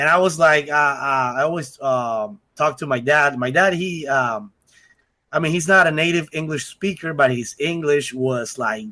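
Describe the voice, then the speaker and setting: In a very clean recording with a silent background, the voice has a Spanish accent, a bright, sharp tone, and ordinary pitch variation. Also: man, fairly high pitch for a man, moderate pace. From Panama. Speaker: pro wrestler and gamer. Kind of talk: casual chat.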